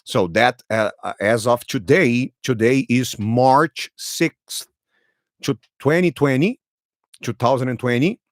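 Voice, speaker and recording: This thirties-aged man, a native Portuguese speaker with a Brazilian accent, teaches English by slowly recounting his own life and restating every sentence for students. The studio recording is echo-free, and his pitch sits in the middle.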